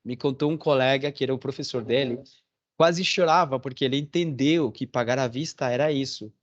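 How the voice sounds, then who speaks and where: Over a video call on a phone or computer, with lo-fi audio, a male Portuguese teacher speaks in a mid-range voice at a slightly fast pace. His lesson is chatty storytelling, and he keeps checking on his students with frequent "né?" and "tá certo?".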